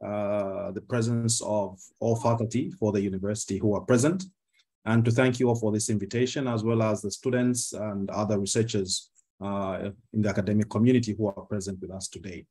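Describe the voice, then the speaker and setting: A man from Zambia in his fifties, a law professor giving a formal, measured presentation on a video call, with frequent fillers. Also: lowish voice, steady tone, mellow, husky. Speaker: guest speaker, law professor. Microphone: computer mic on a video call.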